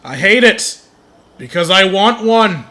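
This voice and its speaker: A man's voice: high-pitched, expressive, takes it slowly, sharp tone. A man making blunt, mock-grumpy joking comments over a video game as he plays. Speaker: gaming streamer.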